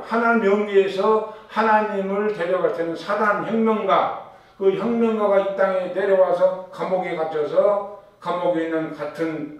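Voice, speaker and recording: A male pastor preaching a sermon, putting questions to his congregation and answering them. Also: high-pitched. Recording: echoey room with a distant mic.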